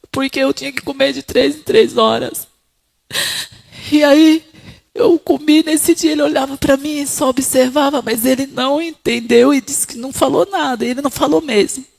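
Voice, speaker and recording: A woman preaching a sermon, telling her own testimony quietly and then rising to fervent, shouted exhortation. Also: a little high, gravelly.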